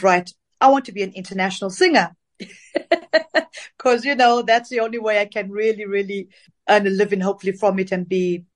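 A chatty woman singer from Zambia tells her story at an everyday pitch. She rambles a little and fills pauses with "uh" and "you know", heard over a remote call. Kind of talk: casual interview.

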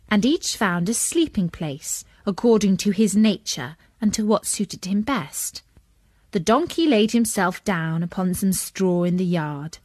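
Slow, very expressive woman storyteller. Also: mid-range voice, no echo. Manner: expressive, dramatic. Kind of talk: scripted children's story narration.

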